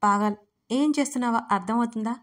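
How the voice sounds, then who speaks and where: A woman voicing a stern, impatient young husband who scolds gruffly in a recorded audio story. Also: fairly high pitch, fast talker, lightly acted. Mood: stern scolding.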